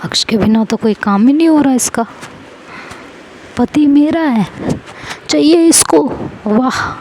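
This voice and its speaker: A woman voicing a jealous, quick-tempered young wife who scolds sarcastically. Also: sits high, expressive, a little mellow, a little hiss or hum, pitched above the performer's own voice, heavily acted. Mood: mocking.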